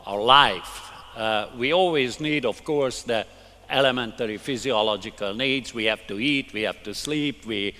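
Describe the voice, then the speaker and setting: An older man with a Hungarian accent, a native Hungarian speaker, giving a halting, deliberate academic lecture to a conference audience. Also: fairly low pitch, bright, forceful tone. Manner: halting, deliberate, with many restarts. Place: conference hall. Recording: long hall reverb.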